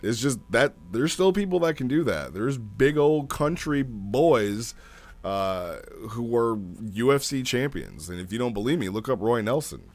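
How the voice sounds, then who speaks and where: A man's voice: medium pitch, sing-song, measured pace. A man giving a casual, off-the-cuff review as a host, thinking aloud and repeating phrases for emphasis. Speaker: host reviewing a text role-play.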